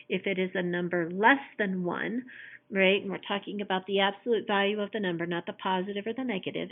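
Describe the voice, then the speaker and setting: Hoarse woman teaching math over tinny audio. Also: mid-range voice. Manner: patient, explains step by step. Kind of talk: recorded classroom lesson.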